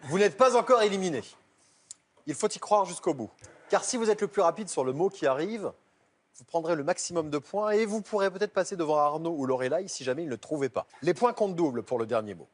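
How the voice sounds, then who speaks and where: A game show host with a slightly high voice speaks briskly and animatedly as he presents rules and scores to quiz players. He's in a TV studio, with the studio audience and music audible behind him.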